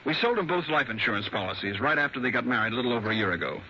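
A bright, chummy insurance boss. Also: male voice, medium pitch, sing-song, racing. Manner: chummy, knowing, leering asides. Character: jovial, leering male insurance executive. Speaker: insurance company man. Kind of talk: 1960s radio drama acting. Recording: dull old radio broadcast with faint hiss.

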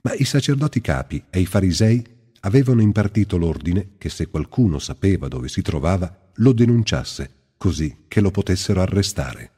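A man reading the Bible aloud as scripted narration, in a slow and measured way. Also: sits low, sing-song, warm tone, breathy edge. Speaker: Bible reader. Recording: long hall reverb.

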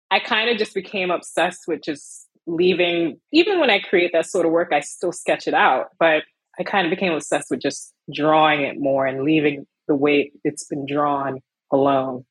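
A young woman from Miami, an illustrator talking casually in an interview, animated with frequent laughs and fillers. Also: deep voice, breathy edge, dry recording, low-quality recording. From Miami, USA. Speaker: illustrator guest.

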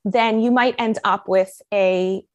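She speaks slowly at a medium pitch with fairly even intonation, and the audio is dull with no room sound. A life coach from Colombia who grew up in Miami, she earnestly shares her story in an American accent during a conversational interview, filling it with lots of fillers.

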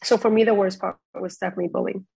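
A woman's voice: mid-range voice, fairly even intonation, gravelly, a little mellow, slightly rough, no room sound, rough recording. Woman guest, dry close sound. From Spain. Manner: matter-of-fact, measured recounting. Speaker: podcast guest. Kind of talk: casual chat.

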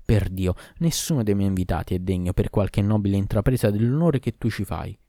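A man's voice: lowish voice, fairly quick, warm tone, no echo, studio quality, natural voice. A man voicing a fussy, long-winded old barber who talks pompously and pedantically in a storybook reading. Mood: flattering.

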